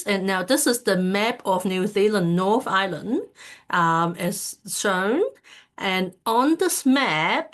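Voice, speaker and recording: A woman from Hong Kong giving a casual talk over a video call, hesitant and full of fillers and restarts. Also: medium pitch. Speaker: speaker at an online community event.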